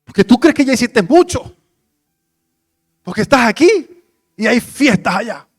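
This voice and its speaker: High-voiced male pastor, impassioned sermon, dry close mic, faint music bed. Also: very animated, unhurried, dry recording. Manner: impassioned preaching, swinging from loud declarations to hushed prayerful asides.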